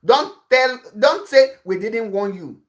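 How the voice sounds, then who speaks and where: A man's voice: extremely high pitch, lively intonation, slow. Nigerian man, igbo speaker, preaching warnings on an online channel, repeats himself a lot, keeps restarting lines. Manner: insistent, repetitive warnings, frequent restarts. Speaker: activist broadcaster. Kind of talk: impassioned online address.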